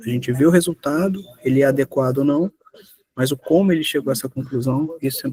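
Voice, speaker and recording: Somewhat breathy and dark, mellow in tone, a man talks at a fairly quick pace with fairly high pitch and ordinary pitch variation, in a dry, close sound with no echo. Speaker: physician lecturer. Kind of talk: lecture.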